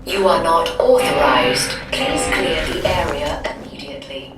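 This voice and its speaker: A low, commanding female warning voice blares from a sound cannon, repeating its stern order in a flat tone. It rings out echoey and from a distance, half buried under loud game music. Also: measured pace. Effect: blaring loudspeaker warning from a sound cannon. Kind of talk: video game device announcement.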